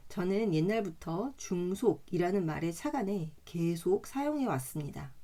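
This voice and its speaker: A woman reading a self-help book aloud in a calm, measured way, adding chatty side comments, her throat slightly hoarse today. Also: on the low side.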